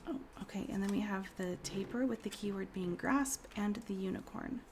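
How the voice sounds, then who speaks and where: A woman in her thirties doing a casual tarot reading, hoarse from a cold, speaking softly and often in a whisper with many fillers. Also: mid-range voice, moderate pace, noisy background. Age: 30s. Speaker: tarot reader.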